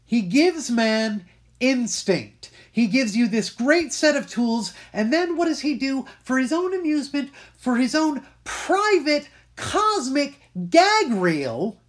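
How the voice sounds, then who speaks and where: A man's voice: extremely high pitch, big pitch swings, slow pace, voice pushed up, full character voice. A man playing a bitter, mocking Devil in a theatrical, scornful dramatic monologue. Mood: mocking, incensed. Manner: theatrical, scornful, building to outbursts. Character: bitter, mocking male Devil railing against God. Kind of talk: dramatic monologue for voice-over demo.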